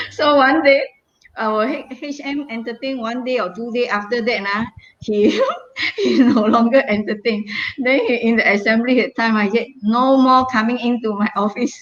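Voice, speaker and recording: With fairly even intonation, a woman talks in a high-pitched voice. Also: moderate pace. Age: 60s. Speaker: online talk show co-host. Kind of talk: casual chat.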